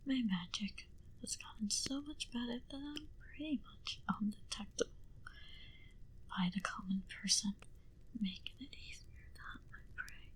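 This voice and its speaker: A woman voicing a proud, menacing vampire in a whispered ASMR roleplay, speaking deliberately and condescendingly into a close binaural mic. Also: on the high side, animated, rough recording. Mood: quietly proud. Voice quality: breathy, hushed whisper. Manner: slow, deliberate, coolly condescending to the listener. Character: proud, menacing female vampire recounting her past. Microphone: close binaural microphone.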